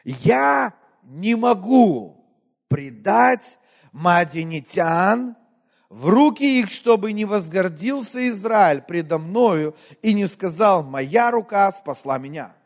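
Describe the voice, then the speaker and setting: High-voiced preacher from Moldova in a reverberant hall. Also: male voice, expressive, slow pace, vocal fry. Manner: conversational, asks the congregation questions, often drops to a quiet voice. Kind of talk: sermon.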